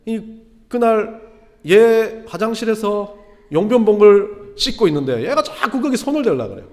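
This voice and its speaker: Animated high-voiced man preaching in a hall. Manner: storytelling with self-deprecating humor, rising to emphatic exclamations. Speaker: pastor. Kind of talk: sermon. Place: church sanctuary. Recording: long church hall reverb.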